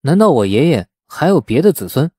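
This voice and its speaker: A wary young man in an audiobook, voiced by a male narrator. He questions and reasons with a lively, varied pitch, recorded dry and close. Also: fairly quick, no room sound. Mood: questioning. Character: wary young man defending his grandfather's good name. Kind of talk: audiobook character acting.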